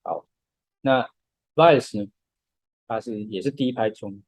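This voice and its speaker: A man's voice: mid-range voice, a little slow, darkish tone, dry recording. A man, patiently explaining music step by step in a casual podcast chat.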